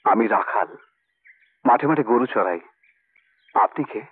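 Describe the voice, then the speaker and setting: Humble young cowherd hero. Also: male voice, fairly low pitch, animated, measured pace, husky, dry recording. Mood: earnest. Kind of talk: Bengali film dialogue. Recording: tinny film soundtrack with loud music.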